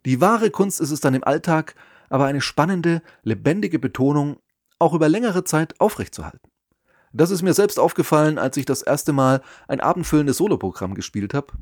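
A man giving scripted advice on public speaking, in a measured, explanatory way with lively emphasis. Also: fairly high pitch, dry recording, clean studio sound. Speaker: podcast host and speaking coach.

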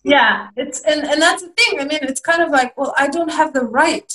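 A woman's voice: sits high, moderate pace, pushed and bright. A young woman from Lithuania, a guest in a candid interview, talking reflectively with hesitant restarts and small laughs.

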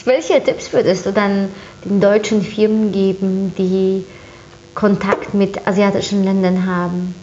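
Lady interviewer chatting, medium pitch, bit muffled w/ faint hum. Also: fairly even intonation, unhurried, warm tone. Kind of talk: conversational interview. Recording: dull sound with faint humming noise.

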